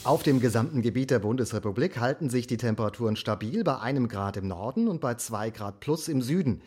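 Veteran radio weatherman: husky, pompous, rivalrous, mid pitch, formal announcer delivery. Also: expressive, fairly quick, darkish tone, faint music behind. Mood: solemn announcing. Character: self-important veteran male weather presenter, rivalrous and pushy. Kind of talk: radio comedy with mock weather report.

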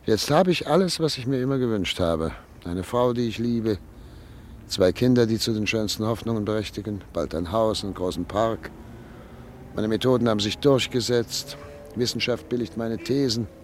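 A man's voice: lowish voice, normal speed, natural voice. An actor playing a thoughtful, anxious doctor and father of thirty-nine in a radio drama, speaking earnestly and articulately. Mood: wistful, musing. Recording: noisy old radio play recording.

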